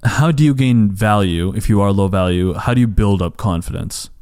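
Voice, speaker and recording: Young american guy hosting a podcast, lowish voice, rambly, says "like" all the time, keeps restarting his sentences. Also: moderate pace, darkish tone. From United States. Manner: rambling, heavy use of "like", frequent restarts. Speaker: podcast host. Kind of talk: casual conversation.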